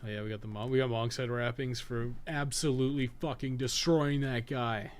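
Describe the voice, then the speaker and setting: A man's voice: medium pitch, steady tone, moderate pace, slight background noise. A man giving casual, rambling live commentary as he games, thinking aloud and swearing freely. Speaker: gaming streamer and podcast co-host.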